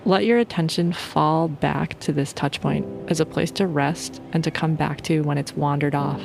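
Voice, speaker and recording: A woman's voice: sits low, steady tone, normal speed, gravelly, noisy background. A woman leading a guided sleep meditation in an informal, playful and soothing way.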